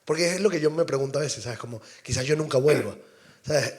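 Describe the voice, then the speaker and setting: Man, Venezuelan accent; audience questioner, halting and slow. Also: a little high, darkish tone. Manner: hesitant, slow, searching for words. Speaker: audience member asking a question.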